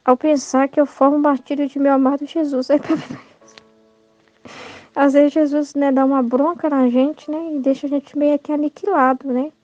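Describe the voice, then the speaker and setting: A woman's voice: high voice, little pitch movement, moderate pace, darkish tone, dry recording, lo-fi sound, faint music behind. A Brazilian woman giving informal Catholic spiritual teaching, talking conversationally, often adding "né?" and acting out quoted thoughts. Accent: Brazilian Portuguese.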